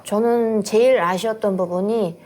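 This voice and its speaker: A woman's voice: medium pitch, normal speed, darkish tone. A woman co-hosting a film review show, mostly giving short agreeing replies and plainly stating her own candid reactions. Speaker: co-host, comedian and TV personality. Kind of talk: conversational review chat.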